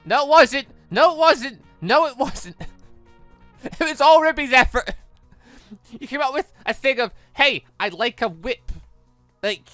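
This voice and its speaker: Gaming host, read-along commentary, bright forceful tone, very animated pitch, rambling asides, light background music. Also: a little slow, pauses often, dry recording. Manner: animated, rambling, slips between reading and reacting. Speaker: YouTube host reading a visual novel aloud.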